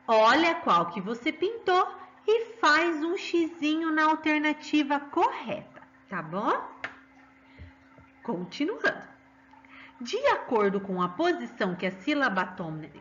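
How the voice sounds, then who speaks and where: A woman's voice: high-pitched, bright, forceful tone, highs cut off, a little hiss or hum. A woman with a Brazilian Portuguese accent teaching a children's lesson, sing-song and coaxing, drawing out stressed syllables.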